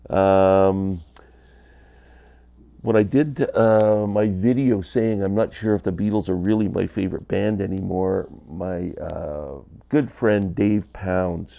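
Low, mellow-toned man in his fifties, congested with a cold, candid basement vlogger on an earbud mic. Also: gravelly, lo-fi sound. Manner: chatty, candid, gestures a lot with hands. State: stuffy from a cold. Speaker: vinyl collector vlogger. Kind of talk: casual rambling vlog. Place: basement room, indoors, small.

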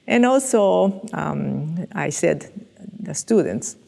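An older woman with a Japanese accent, answering interview questions in slow, hesitant English full of fillers. Her voice is mellow and gravelly, caught on a headset mic. The studio adds a long reverb tail. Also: lowish voice, animated. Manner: hesitant, many fillers and restarts, light laughter. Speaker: interviewee, physiologist. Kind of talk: oral history interview. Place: dark studio set, indoors.

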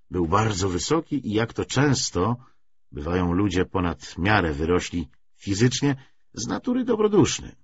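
Husky man narrating with lively, swooping intonation. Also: fairly low pitch, highs cut off. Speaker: audiobook narrator. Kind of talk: literary audiobook narration.

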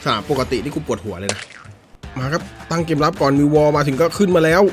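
Excitable man yelping over football game. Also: fast, faint music behind. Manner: shouty, swings between low mutters and high yelps; casual, swears at the game. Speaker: gaming YouTuber. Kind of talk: excited gameplay commentary.

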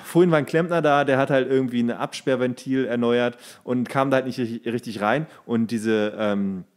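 A man with a mid-pitched voice talks as a podcast co-host. He rambles with enthusiasm and slang, keeping the chat casual and comedic. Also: normal speed.

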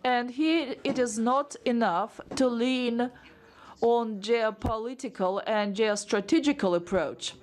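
A woman giving simultaneous interpretation of a panel discussion, halting often with filler pauses and restarts as she keeps up with the speakers. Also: on the high side, a little mellow. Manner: halting, many filler pauses and restarts while rendering speech. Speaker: conference interpreter.

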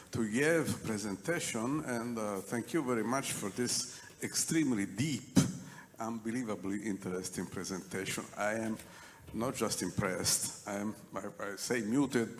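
A man giving an effusive, halting comment from the audience at a conference. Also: on the low side. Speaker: conference participant. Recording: reverberant hall with faint noise.

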